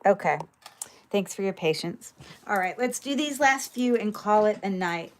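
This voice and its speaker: A woman's voice: mid-range voice, animated, moderate pace, a little hiss or hum. A woman selling jewelry on a livestream, chatting casually with lots of fillers while she handles each pair. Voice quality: describes own voice as loud. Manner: chatty, many fillers, thinks aloud while handling items. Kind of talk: casual livestream sales chat.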